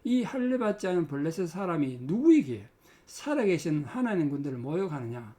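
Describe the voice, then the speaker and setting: A man's voice: a little high, very animated, a little fast, mellow. A middle-aged male pastor preaching a sermon, earnest and building to emphatic exhortation.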